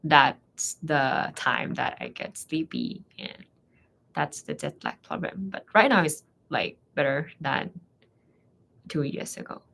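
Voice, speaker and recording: A young woman whose first language is Thai, a medical student guest speaking English in a hesitant, halting way. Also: low voice, sing-song, gravelly, fairly bright tone. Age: young adult. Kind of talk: casual live chat.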